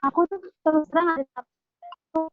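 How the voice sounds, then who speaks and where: A woman's voice: high-pitched, normal speed. Woman on a choppy, glitching video call. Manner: hesitant, checking if she can be heard. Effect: choppy, breaking-up internet audio. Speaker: participant in an online meeting. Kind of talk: casual chat. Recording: lo-fi video call with faint music.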